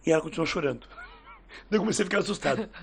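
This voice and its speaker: A man's voice: a little high, very fast, vocal fry, slight background noise. A man, hosting a casual podcast chat and telling stories, acting out the quoted dialogue as he goes. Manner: lively storyteller who acts out quoted dialogue.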